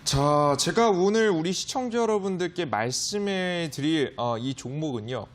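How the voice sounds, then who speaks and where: A man giving a stock market lecture as a guest expert on a finance broadcast, emphatic, with frequent fillers. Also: a little high.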